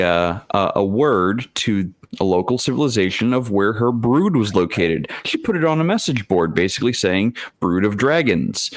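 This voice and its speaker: A man talking casually on an online panel as a game master, haltingly thinking aloud and using salty, colloquial language. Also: on the low side, no echo. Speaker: game master on a tabletop role-playing panel. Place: remote online video call.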